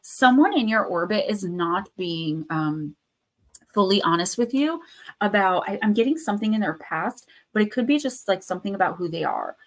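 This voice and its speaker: Woman card reader, hoarse sore voice, rambling live reading, lots of ums and restarts. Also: mid-range voice, lively intonation, normal speed. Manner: reads card texts aloud, then riffs loosely with fillers and restarts. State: losing her voice, sore throat. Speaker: tarot and oracle card reader, channel host. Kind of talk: live-stream card reading, casual and intuitive.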